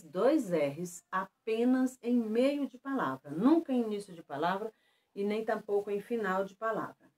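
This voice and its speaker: A Brazilian woman teacher giving a lesson to schoolchildren, stressing example words slowly and clearly. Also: medium pitch. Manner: lively, slow and emphatic on example words. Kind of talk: remote lesson for children.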